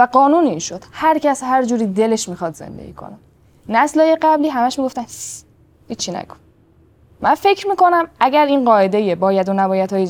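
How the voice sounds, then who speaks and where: Her pitch rises and falls across a very wide range. This woman talks at a moderate speed. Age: 20s. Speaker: young interviewee. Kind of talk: interview answers.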